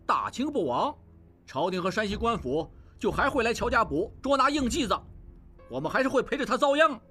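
A woman voicing a hot-headed young clansman who talks loud and fast in a storybook reading. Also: on the high side, big pitch swings, slightly rough, faint music behind, full character voice. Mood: agitated. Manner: loud, rapid, blustering.

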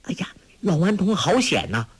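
A man voicing a clever, lively teenage girl who is pert and quick to argue, in a storybook reading. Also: high voice, breathy edge, voice pushed up, full character voice.

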